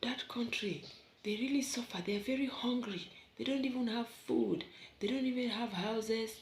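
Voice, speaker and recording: A woman's voice: normal speed, echoey room, a little hiss or hum, natural voice. A woman mimicking a scornful gossiping shop girl. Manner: high-pitched and dismissive, partly whispered.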